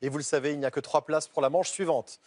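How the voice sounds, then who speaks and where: A man's voice: on the high side, fairly even intonation, fast talker, a little mellow, a little hiss or hum. A man hosting a TV quiz, presenting rules and scores to the players in a studio. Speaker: game show host. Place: TV game show studio. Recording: studio audience and music behind voice.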